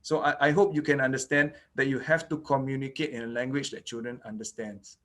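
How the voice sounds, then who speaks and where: A man's voice: medium pitch, flat delivery, a little fast, a bit bright. A man whose first language is Malay, giving an online lecture on child dental care, explaining step by step with frequent "okay" and "you know". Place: indoors, online lecture recording.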